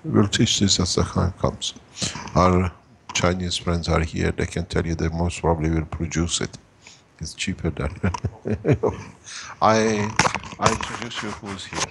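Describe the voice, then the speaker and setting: A man's voice: sits low, creaky, a bit bright, slight background noise. A man presenting at a workshop, explaining to a live audience while groping for words and restarting his sentences. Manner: halting, gropes for words and restarts.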